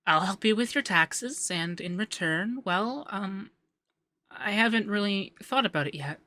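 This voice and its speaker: Bright, flustered young femboy tax man, acted by a man. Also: high voice, expressive, a little slow, full character voice. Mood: flustered, businesslike. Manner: stammering, shy, teasing. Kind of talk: ASMR roleplay, acted straight to the listener.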